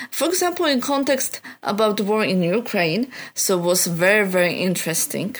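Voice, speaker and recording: A woman's voice with very wide pitch swings and very even loudness. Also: medium pitch for a woman, moderate pace. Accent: non-native. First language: not English. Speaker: youth project volunteer and podcast co-host. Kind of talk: casual podcast chat.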